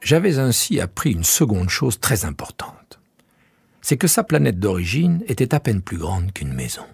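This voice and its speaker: A man narrating a classic tale in an audiobook, husky and intimate, with unhurried storytelling and hushed asides. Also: lowish voice, very animated, dry recording, faint music behind. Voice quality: husky, gravelly.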